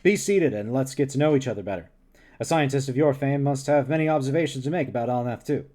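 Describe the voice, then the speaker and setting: A man's voice: mid-range voice, fast talker, mellow, natural voice. A man voicing a commanding male starship captain with a pointed, questioning manner. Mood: probing.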